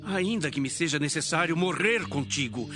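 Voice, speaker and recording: Casting: a man to play a vehement, loyal disciple, lighter-pitched, emphatic and halting, scripture audio drama over music. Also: animated, natural voice. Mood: vehement, insistent. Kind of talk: dramatised Bible acting.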